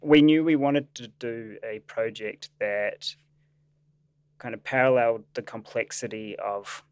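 A male scientist from New explains his work slowly and thoughtfully. His voice is smooth and clear, with frequent "um"s. The recording is dry and close. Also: mid-range voice, steady tone, dry recording. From New Zealand. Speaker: staff scientist and animator. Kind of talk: interview explanation.

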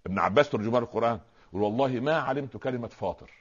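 A man with an Egyptian Arabic accent, a preacher explaining religious words in a lively talk-show conversation, often asking rhetorical questions. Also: medium pitch, racing, slightly rough, dull audio. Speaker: Islamic preacher, guest scholar.

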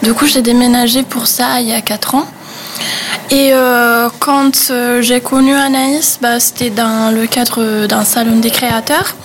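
A woman's voice: on the high side, level tone, measured pace, slight background noise. A young woman speaking French as a second language, answering interview questions casually with many hesitations. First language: not French. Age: young adult. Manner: hesitant, many fillers, laughs easily. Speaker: webzine co-founder, guest.

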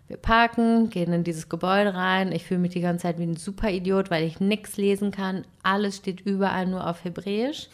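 Animated woman telling an exasperated story. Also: mid-range voice. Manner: animated, exasperated retelling with acted-out quotes. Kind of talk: casual storytelling chat.

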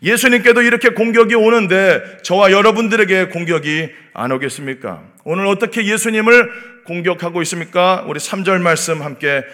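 Guy preaching a dawn sermon, bright ringing voice, keeps throwing questions at the crowd. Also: high-pitched, brisk, hardly any pauses. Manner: emphatic, repeating rhetorical questions to the congregation; acts out the devil's taunts in a mocking voice. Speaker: pastor. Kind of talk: early morning sermon.

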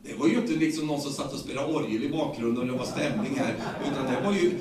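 A man with a Swedish accent preaching a sermon, retelling the story in lively everyday speech with many repeated words. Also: mid-range voice, background noise. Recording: echoey, distant room sound.

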